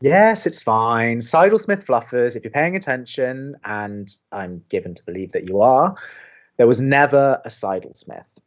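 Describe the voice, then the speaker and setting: Man playing a sardonic, lively young radio co-host. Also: mid-range voice, a little slow, muffled recording, close to an everyday voice. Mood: dry, wry. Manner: dry, sarcastic. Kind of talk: audio drama acting.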